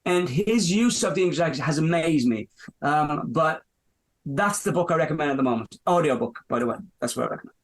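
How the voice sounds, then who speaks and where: Expressive and fairly quick, his slightly high voice carries a Dublin accent. In his fifties, the Irish business owner responds to podcast interview questions in a rambling style with many restarts and fillers.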